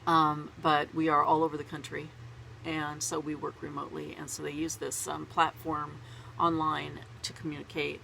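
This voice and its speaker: Woman vlogger with a head cold: bright, gravelly, stuffy-nosed, rambling and laughing at herself. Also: low-pitched, completely flat delivery, normal speed, slight background noise, poor audio. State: congested with a cold. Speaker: knitting vlogger. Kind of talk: casual chat to camera. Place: small home closet.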